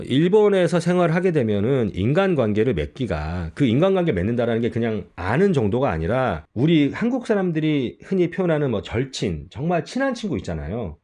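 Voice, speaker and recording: A middle-aged man, a YouTuber, talking casually and emphatically to his viewers and pushing back on comments. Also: medium pitch. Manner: animated, emphatic, argumentative. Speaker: YouTuber sharing life-abroad stories. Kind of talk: casual talk to camera.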